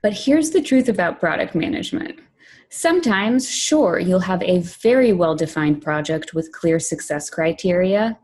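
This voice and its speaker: A woman from Poland, raised in New York, giving a prepared conference talk as a product director, measured and clear, with lists and emphasis. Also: fairly low pitch, animated, darkish tone. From Poland, raised in New York City.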